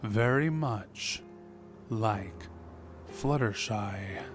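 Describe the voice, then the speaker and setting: A man's voice: lowish voice, extremely slow. A man reading a horror story as a dramatic scripted narration. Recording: music behind the voice. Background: music.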